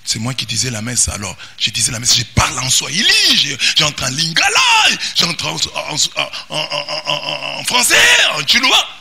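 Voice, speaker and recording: Animated Congolese priest preaching. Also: male voice, on the high side, moderate pace, creaky, few pauses, breathy edge. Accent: Congolese French. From Democratic Republic of the Congo. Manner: animated preaching, often shouting and singsong. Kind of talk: sermon. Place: parish church.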